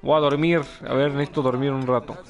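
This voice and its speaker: Over soft background music, this gameplay streamer talks quickly in a mid-range voice with fairly even intonation. He's a young man with a Mexican accent who laughs a lot while reading out chat messages during his relaxed live commentary.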